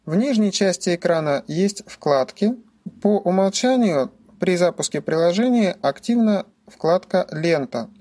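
A man's voice: on the high side, darkish tone. A man giving scripted instructional narration as a tutorial presenter, explaining things methodically, step by step.

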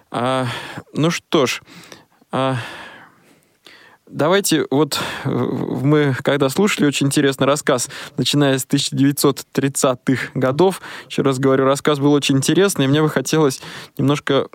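A man conducts an unscripted radio interview in a mid-pitched voice. He phrases his questions politely and cautiously, feeling his way through them. The sound is very dry, with no room around it. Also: no echo. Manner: polite, hedging, hesitant phrasing. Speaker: radio show host and interviewer.

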